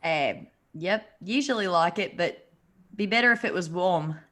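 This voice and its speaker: A woman's voice: lowish voice, unhurried, a bit bright. Woman playing a squeamish, alarmed male dinner guest. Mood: hesitant. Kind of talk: table read of a film script.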